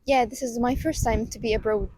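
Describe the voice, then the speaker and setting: A woman's voice: on the high side, fairly even intonation, brisk, dark tone, low-quality recording. A woman, a student, answering eagerly and often saying "you know". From Egypt. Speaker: student, interviewee. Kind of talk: casual street interview.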